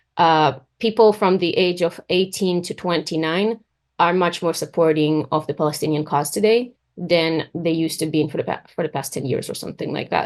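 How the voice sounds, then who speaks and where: Against a quiet background, a woman with an Israeli accent and a fairly low pitch talks at a fairly quick pace with ordinary pitch variation. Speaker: interviewee. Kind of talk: interview. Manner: halting, many fillers.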